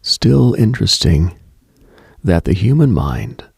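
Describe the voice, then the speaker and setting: A man hosting late-night radio with a brooding, deliberate scripted monologue in a hushed, husky, gravelly voice. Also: sits low, sing-song, dry recording, clean studio sound.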